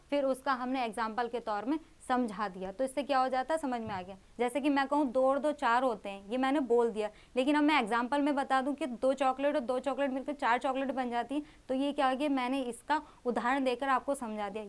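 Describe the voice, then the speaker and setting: A woman's voice: high voice, a bit bright. A young woman teaching an exam-prep grammar lesson, explaining with rhetorical questions and repeating key terms.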